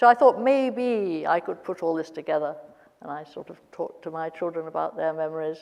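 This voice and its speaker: The speaker has a British RP accent and lively intonation. The pace is fairly quick, with big swings in loudness. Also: woman, fairly low pitch for a woman. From England. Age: 80s+. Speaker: biographer and memoirist. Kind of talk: onstage interview. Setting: stage with audience. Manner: halting.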